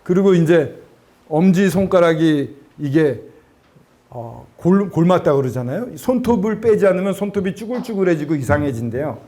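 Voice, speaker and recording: A man preaching a sermon to students, telling a personal story in an animated way and acting out the people he quotes. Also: a little high, normal speed. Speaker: preacher at student gospel camp.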